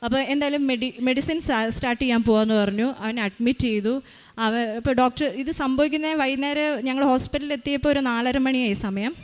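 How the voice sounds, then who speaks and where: A woman telling a personal testimony about her child, hurrying along with many fillers and restarts. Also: sits high. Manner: hurried, with frequent fillers and restarts. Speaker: mother giving a testimony.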